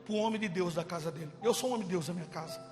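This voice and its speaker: Impassioned high-voiced male preacher. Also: very fast, long reverb tail, faint music behind. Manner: impassioned, swings from loud cries to hushed. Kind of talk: testimony sermon.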